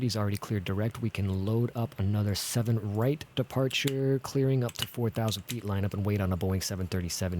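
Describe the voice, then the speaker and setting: A man with a fairly low voice gives running commentary on an air traffic control game. He thinks aloud in a casual way, mixing controller jargon with everyday talk. There is clear background noise, with typing and clicking behind him. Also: a little mellow. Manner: casual, thinking aloud, swearing now and then. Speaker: streamer playing an air traffic control simulator. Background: keyboard typing and clicks.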